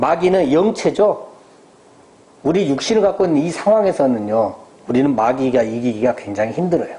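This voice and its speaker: A man talks at a moderate pace in a fairly high voice with very wide pitch swings, over noticeable background noise. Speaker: Bible teacher. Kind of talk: Bible study lesson.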